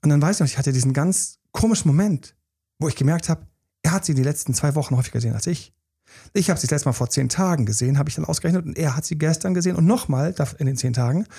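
A man's voice: a little high, very fast, creaky, warm tone, husky. A man casually telling a personal story about a past relationship, candid, with many fillers and emphatic repetitions.

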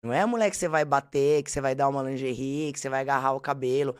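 A woman with a Brazilian Portuguese accent, telling blunt, animated, slangy stories as a podcast guest. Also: extremely low pitch, racing, clean tone. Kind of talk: casual storytelling.

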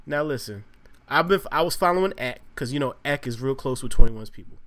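A man's voice: mid-range voice, animated, brisk, fairly bright tone. An American man from Virginia hosting a casual podcast, chatting in a slangy, joking, opinionated way. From Virginia, United States. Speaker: podcast host.

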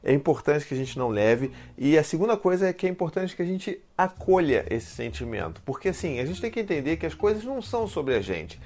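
A father with a Brazilian Portuguese accent gives casual parenting advice to the camera, chatty and animated, often checking in with the viewer. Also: a little high, fairly quick, hardly any pauses. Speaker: parenting content creator and father.

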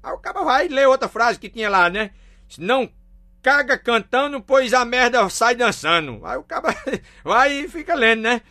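A middle-aged man with a Northeastern Brazilian accent telling crude jokes in a lively, slangy style. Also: extremely high pitch, normal speed. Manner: lively storyteller, slangy, laughs at own punchlines, acts out squealing women. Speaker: joke teller.

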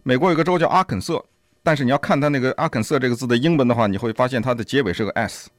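A man's voice: medium pitch, very fast, no room sound, clean studio sound. A man co-hosting a radio talk show, explaining points with many examples in a casual, chatty way. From China. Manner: explains with many examples, chuckles at language traps. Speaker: radio co-host.

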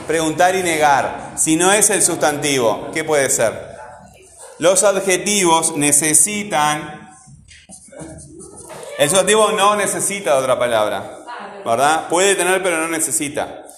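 A man's voice: a little high, expressive, unhurried, fairly bright tone. A man teaching a grammar lesson, asking his students questions and often answering them himself. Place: classroom. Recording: echoey room with long reverb, faint ambience.

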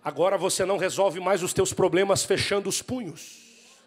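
A man's voice: sits high, fairly even intonation, moderate pace. A male pastor voicing God as a firm, commanding figure in a sermon story. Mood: stern. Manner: firm and insistent, building to shouts.

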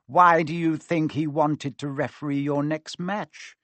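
Male reader as storybook villain teacher, cold, sharp, smug, mocking, deliberate, close dry sound. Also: a little high, fairly even intonation, no echo, voice pushed up. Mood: cool, gloating.

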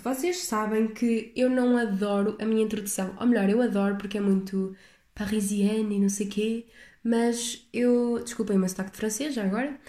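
A young woman with a European Portuguese accent talks through her solo podcast in a loose, rambling way, often circling back and restarting her thoughts. Her voice is mellow and soft-edged, and the room around her sounds echoey. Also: medium pitch. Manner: rambling, reflective, chatty with restarts. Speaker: podcast host. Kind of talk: casual solo podcast chat.

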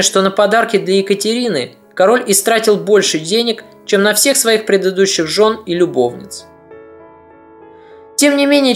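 Narrator telling history over music. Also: medium pitch. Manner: measured storytelling with ironic asides. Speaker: podcast narrator.

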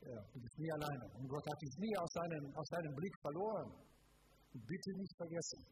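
A man's voice: a little high, expressive, normal speed. Emphatic male preacher, noisy live sermon. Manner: emphatic, asks the congregation direct questions. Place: church service before a congregation.

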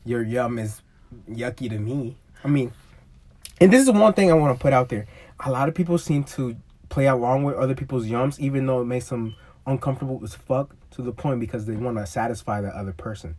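A man's voice: mid-range voice, fairly quick, darkish tone, no room sound. A man co-hosting a casual conversation, blunt and heavily profane. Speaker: podcast co-host. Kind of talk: crude casual chat.

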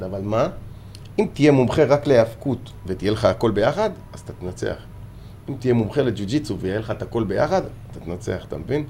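A middle-aged man, a martial arts coach, guest in a casual interview, telling stories animatedly and acting out shouts and quotes. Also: mid-range voice, slight background noise.

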